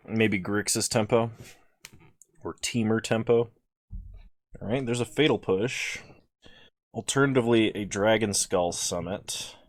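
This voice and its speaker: A man with a lowish voice muses through a card draft in casual gameplay commentary, sleepy and unhurried as he thinks aloud. The sound is dry and close, with no room around it. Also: no room sound. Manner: thinking aloud, musing over choices. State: sleepy, yawning. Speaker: video creator drafting cards.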